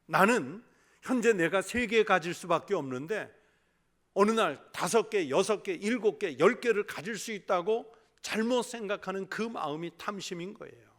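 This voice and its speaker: A male pastor preaching a sermon, putting rhetorical questions to the congregation and dropping to a hush for emphasis. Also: high voice, expressive, normal speed.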